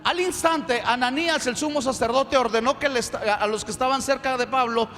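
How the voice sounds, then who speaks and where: A man preaching a sermon as pastor, emphatic and animated, in a church. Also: very high voice, fairly quick, long reverb tail, a little hiss or hum.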